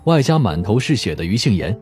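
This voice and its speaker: Low-voiced man narrating, highly expressive. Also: fairly quick, soft background music. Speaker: audiobook narrator. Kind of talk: scripted dramatic novel narration.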